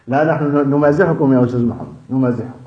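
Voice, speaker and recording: A man's voice: medium pitch, heavy background noise. Egyptian male tajweed teacher, echoey lo-fi sound. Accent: Egyptian Arabic. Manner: jokes lightly, breaks into laughter; drills letter sounds slowly one by one. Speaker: Quran recitation teacher. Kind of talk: lecture on tajweed. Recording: echoey, dull lo-fi recording.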